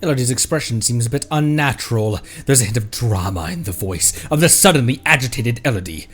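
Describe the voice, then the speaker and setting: A man's voice: medium pitch, lively intonation, a little fast, husky, faint music behind. A male streamer giving casual, joking commentary over a game, reading on-screen text aloud, laughing and swearing.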